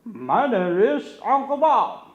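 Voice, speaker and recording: A man voicing a cheerful uncle puppet who talks slowly and simply in English. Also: very high-pitched, very animated, exaggerated voice. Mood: friendly. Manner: slow, friendly, simple English. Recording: roomy, muffled lo-fi audio.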